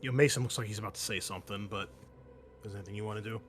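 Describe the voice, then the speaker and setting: A man's voice: on the low side, fairly even intonation, racing, fairly bright tone. Male game master with faint background noise. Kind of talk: casual game narration and prompting.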